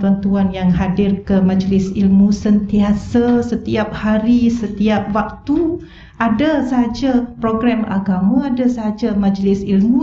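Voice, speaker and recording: A middle-aged Malaysian woman giving a religious lecture in a mosque hall, earnest and asking the audience rhetorical questions. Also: medium pitch. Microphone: wireless mic. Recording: roomy, dull-toned hall recording.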